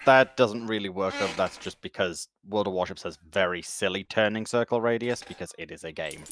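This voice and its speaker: A man's voice: low-pitched, a little fast, fairly bright tone. A man in a casual panel discussion, making matter-of-fact corrections.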